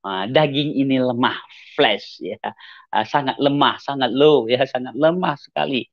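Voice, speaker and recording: A middle-aged man from Aceh, Indonesia, with a mixed Acehnese accent, giving an earnest personal testimony as an evangelist. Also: measured pace. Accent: Acehnese with mixed Medan, Timor and Malaysian traces. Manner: earnest, repetitive, sudden rises in pitch for emphasis. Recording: slightly dull lo-fi audio.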